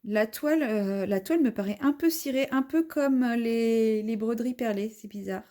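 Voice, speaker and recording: A woman's voice: on the high side, moderate pace, mellow. A woman vlogger in a casual unboxing video, chatting as she describes each craft item while she unpacks it at home.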